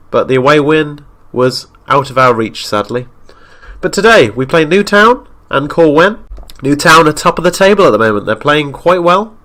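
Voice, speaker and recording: A Welsh gaming YouTuber with a fairly high voice and a nose blocked up by an oncoming cold commentates on football game highlights. In excitable play-by-play, he narrates every pass as it happens and shouts at the near misses.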